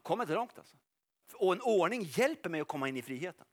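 A middle-aged man preaching a sermon in an animated, jokey way, often checking that his listeners follow along. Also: high voice. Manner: animated and jokey, asks the audience "are you with me?".

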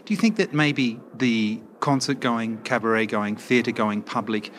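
A man's voice: mid-range voice, moderate pace, a bit bright, slight background noise. A man interviewing a guest, asking long, carefully built questions. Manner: thoughtful, builds up long questions.

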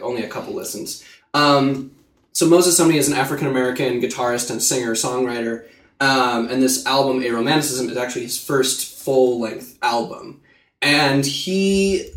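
Rambling man, roomy and far from mic. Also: mid-range voice. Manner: rambling, with many "like" fillers and restarts. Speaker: podcast co-host. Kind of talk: casual podcast chat. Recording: roomy, set back from the mic.

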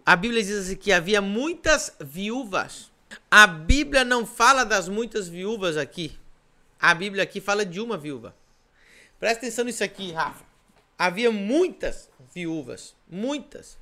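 Brazilian pastor guy preaching on a podcast, high voice, bright and forceful, hammers his points over and over. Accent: Brazilian Portuguese. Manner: emphatic, repetitive, rhetorical questions.

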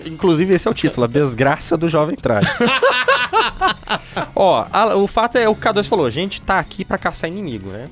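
Man, podcast co-host, teasing explainer, slightly high voice, animated. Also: moderate pace, soft background music. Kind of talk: casual chat.

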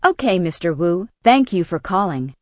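American female host; slow, clear delivery, dry close sound. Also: fairly low pitch, sing-song, darkish tone, no echo. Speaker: radio show host. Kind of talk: scripted dialogue for English learners.

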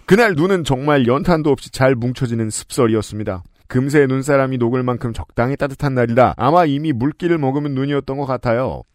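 A man's voice: medium pitch, fast talker, few pauses, a little mellow, no echo. A man hosting a podcast, reading listener letters aloud with playful, teasing asides, close on a studio mic. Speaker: podcast host.

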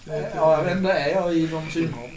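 A man's voice: a little high, steady tone, crowd noise. A man playing a tabletop game, eagerly talking through his character's actions. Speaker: player. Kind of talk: casual chat in a tabletop game. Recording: roomy with background noise.

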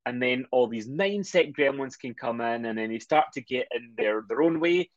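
A middle-aged man with a Scottish accent, a mindset coach speaking as a guest on a podcast, talking quickly and energetically as he explains. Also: medium pitch, expressive, dry recording, dull audio. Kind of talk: podcast interview.

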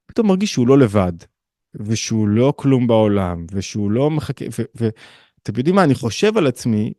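A man teaching a casual weekly spiritual lesson over a video call, animated and conversational, jumping up in pitch to stress points and acting out quoted voices. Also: no echo, clean studio sound. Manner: conversational with slang and many restarts. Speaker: teacher of a weekly online class.

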